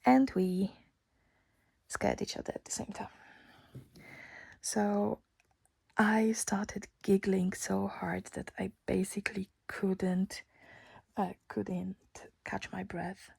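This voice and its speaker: A woman's voice: mid-range voice, little pitch movement, slow pace, vocal fry, pauses often, a little mellow, husky, no room sound. A young woman whispering a casual personal story close to the mic, chatty and giggly.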